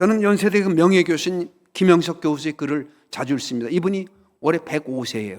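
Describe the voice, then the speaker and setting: A man speaks at a fairly quick pace, his intonation lively. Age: 60s. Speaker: pastor. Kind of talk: sermon. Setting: church. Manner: animated.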